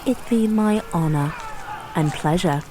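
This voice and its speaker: A woman's voice: on the low side, unhurried, background noise, natural voice. An actress playing a flirtatious woman warrior of a mythic realm in an audio drama, coy and teasing, with courtly phrasing. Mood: coy, admiring.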